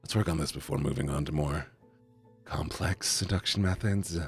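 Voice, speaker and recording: A man's voice: very deep voice, normal speed, gravelly, husky, soft background music. A man streaming as he reads a visual novel aloud, swinging between narration and chatty asides to his chat. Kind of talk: live stream reading and reacting.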